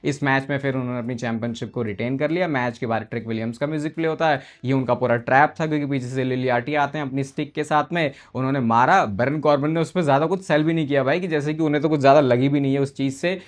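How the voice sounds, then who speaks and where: A man in a casual, excited recap of a wrestling show, chatting with the viewer and mixing in English words. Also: mid-range voice. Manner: chatty, mixes in English words, calls the listener "bhai".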